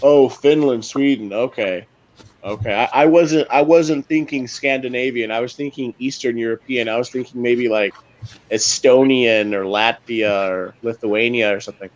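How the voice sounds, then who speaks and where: A man's voice: medium pitch, moderate pace. A man from Chicago hosting a live-stream chat, hesitant and often repeating words as he asks questions. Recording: slightly dull lo-fi sound.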